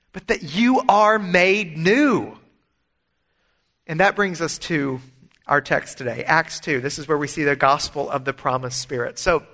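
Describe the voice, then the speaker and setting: A man's voice: sits high, sharp tone. A middle-aged man preaching a sermon, earnest and emphatic, mixing scripture with personal stories. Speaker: pastor.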